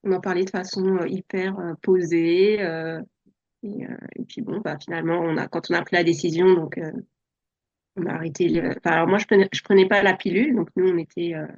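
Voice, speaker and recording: Soft-spoken woman in her forties. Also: on the low side, steady tone, a little fast, dull audio. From France. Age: 40s. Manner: soft-spoken, hesitant, many fillers. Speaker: podcast guest. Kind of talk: relaxed personal interview.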